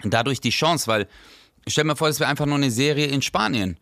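A man's voice: medium pitch, fairly quick, creaky, a bit bright, dry recording, clean studio sound. A man chatting casually as a podcast guest, enthusiastic and rambling, with many fillers. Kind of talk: casual chat.

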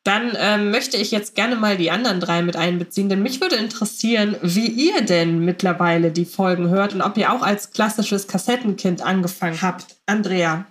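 A woman's voice: medium pitch, normal speed, hardly any pauses. A woman hosting a podcast, putting questions to her guests in a casual way. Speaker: podcast host.

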